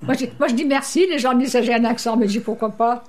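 An older woman from Brittany, a returned emigrant, telling stories as a guest on a radio interview in a lively, chatty way. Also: a little high, fast talker. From Brittany, France. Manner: lively storyteller, chatty and animated.

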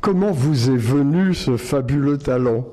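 A man's voice: medium pitch, animated, unhurried, dark tone. A man interviewing a musician, asking formal, polite questions.

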